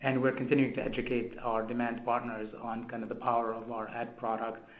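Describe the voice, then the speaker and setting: A man answering haltingly in corporate jargon as an executive on a conference call, over an echoey phone line. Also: mid-range voice, completely flat delivery. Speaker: company executive.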